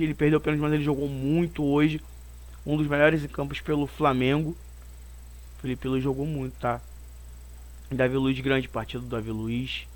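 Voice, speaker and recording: Hoarse Brazilian man rambling about football. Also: a little high. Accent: Brazilian Portuguese. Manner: rambling and opinionated, circles back on his points. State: hoarse from a cold. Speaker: football channel host. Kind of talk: casual football commentary.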